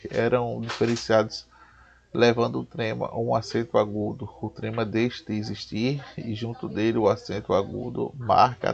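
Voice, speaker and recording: Brazilian man, spelling lesson, halting reading, low gravelly voice, muffled lo-fi recording. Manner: slow, halting, restarts words and lists. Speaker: teacher. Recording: dull lo-fi recording.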